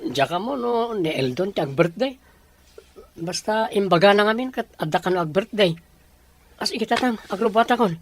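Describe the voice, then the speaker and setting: A man's voice: high-pitched, animated, moderate pace, slight background noise. A man playing an earnest, dutiful young man in an audio drama, speaking in a polite, placating way. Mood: evasive, nervous.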